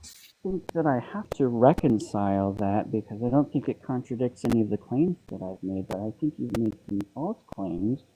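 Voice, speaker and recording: An animated man at medium pitch and moderate pace argues his side in a live online debate, full of ums and restarts. His muffled phone or headset mic sounds dull, lo-fi and underwater, with a noisy background.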